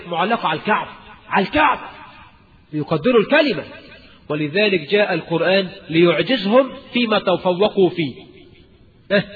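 A man's voice: sits high, fairly bright tone. A man with an Egyptian Arabic accent giving a colloquial religious lecture, asking the audience rhetorical questions and rising in emphasis. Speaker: preacher. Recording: dull lecture-hall recording with long reverb.

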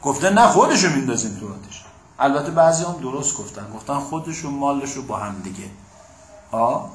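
A man's voice: medium pitch, lively intonation, roomy sound, a little hiss or hum. A man teaching a class on Quran commentary, reading Arabic passages aloud and explaining them, often checking that his listeners follow and prompting them to answer. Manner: reads Arabic passages, then explains them in plain speech. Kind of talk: classroom lecture.

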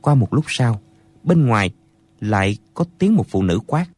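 A man narrating a martial arts novel as an audiobook in an expressive storytelling manner, close to the mic. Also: medium pitch, moderate pace, slightly rough, no echo.

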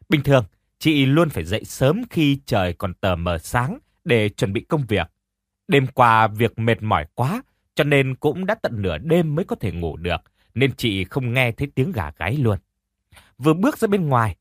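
A male storyteller reading a ghost story aloud, his voice rising and falling with lively movement. Mid-pitched, recorded close and dry with no room sound. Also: no echo. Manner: expressive storytelling. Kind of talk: audiobook narration of a ghost story.

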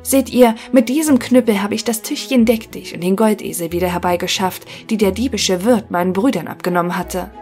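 A woman's voice: medium pitch, fairly quick, hardly any pauses, a little mellow, soft background music, close to an everyday voice. A woman voicing a proud young male turner in a fairy tale audiobook, speaking firmly and confidently.

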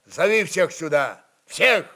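Give this voice to a fierce Cossack chieftain acted out by a man, defiant and blunt. He speaks in folksy dialect at a measured pace, pitched somewhat high for a man, as in a radio play. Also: lively intonation, sharp tone, full character voice. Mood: loud defiance.

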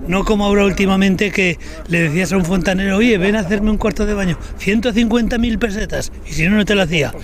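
A man's voice: sits high, quick pace. An older man, plain-spoken and repeating himself in a casual street interview. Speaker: former builder being interviewed.

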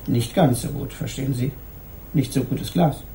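An actor playing a dry, candid jewellery craftsman in a radio play, with a creaky voice and a matter-of-fact manner. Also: mid-range voice, moderate pace, warm tone, slight background noise, close to an everyday voice, poor audio. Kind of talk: German radio play acting.

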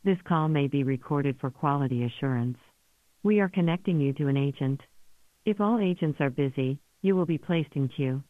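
A man's voice in a recorded phone message from an automated system, speaking in an even, measured, formal way. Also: a little high, no room sound. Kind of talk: scripted recorded announcement. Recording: tinny phone line, dry.

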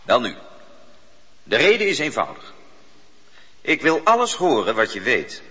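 An actor playing a cold, ambitious judge who questions a poacher in a commanding, probing manner. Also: male voice, medium pitch, huge pitch swings, a little slow, bright, forceful tone, heavily acted. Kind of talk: radio drama acting. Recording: dull old radio recording with long reverb.

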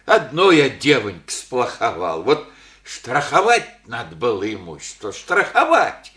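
An actor playing a humble, elderly widowed village father who speaks in halting rustic phrases full of fillers. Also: mid-range voice, huge pitch swings, a bit bright, echoey room. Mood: rambling. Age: older. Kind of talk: archival Soviet radio play acting.

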